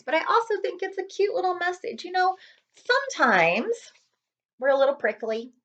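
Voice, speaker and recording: A woman reading a children's storybook aloud as host, expressive and speaking directly to young listeners with friendly asides. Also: on the high side. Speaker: read-aloud host, librarian.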